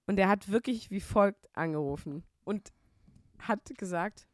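A woman co-hosting a chatty podcast, recorded on a dry, close mic. She tells anecdotes in a mid-range voice and slows right down when she mimics the people in them. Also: medium pitch, no room sound. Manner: storytelling, mimics callers in a slow flat voice. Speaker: podcast co-host. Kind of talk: casual chat.

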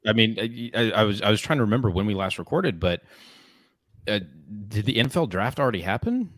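A man co-hosting a casual podcast, talking in a halting way with many fillers and restarts. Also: on the low side, expressive, a bit bright, no echo, studio quality. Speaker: podcast co-host. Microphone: podcast microphone.

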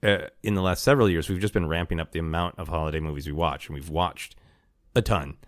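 A man with a deep voice hosts a casual podcast. He is wry and playful in an easy conversational way. The sound is dry and close. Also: fairly even intonation, fast talker, no echo. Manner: chuckles often, wry and playful. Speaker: podcast host.

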